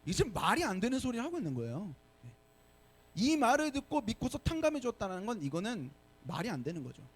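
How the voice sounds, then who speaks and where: A male pastor preaching a sermon to young adults in a church, lively and often asking the congregation questions. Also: high-pitched, quick pace, husky. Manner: animated, asks the congregation questions. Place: church sanctuary.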